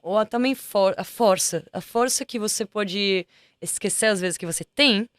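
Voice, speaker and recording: Woman, smooth voice, chatty. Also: medium pitch, normal speed, no room sound, studio quality. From Italy. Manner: chatty, searches for words with many restarts. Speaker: guest singer. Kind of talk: casual interview chat. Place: music studio.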